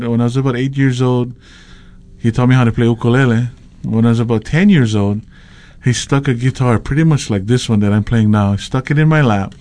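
A man, a slack key guitarist telling stories in a relaxed interview, often restarting his sentences. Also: mid-range voice. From Hawaii. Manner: rambling, with many restarts and laughs. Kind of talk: casual storytelling interview.

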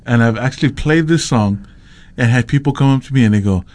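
A man, a slack key guitarist telling stories in a relaxed interview, often restarting his sentences. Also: mid-range voice, fairly quick. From Hawaii. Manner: rambling, with many restarts and laughs. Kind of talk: casual storytelling interview.

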